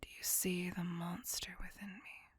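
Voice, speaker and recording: A woman's voice: fairly low pitch, flat delivery, slightly rough, dry recording. A woman whispering as a tormented centuries-old vampire. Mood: brooding menace. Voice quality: whispered throughout. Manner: slow, brooding, intimate. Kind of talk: ASMR audio roleplay.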